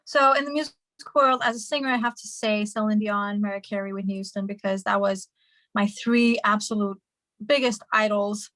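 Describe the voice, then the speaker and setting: A woman's voice: medium pitch, fairly even intonation, moderate pace, a bit bright, no echo, poor audio. Chatty Hungarian-born woman musician. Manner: chatty, many fillers and restarts. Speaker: singer and musician guest. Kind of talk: casual interview answers.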